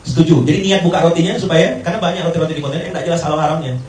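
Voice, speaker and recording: A man delivers a brisk, storytelling sermon, slipping in Arabic and English phrases and voicing the people in his story. He sounds set back from the mic, and his voice rings around a roomy hall over a faint hum of ambience. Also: a little high, a little mellow, distant mic. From Indonesia. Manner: conversational, mixes Arabic and English phrases, acts out quoted dialogue. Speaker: preacher.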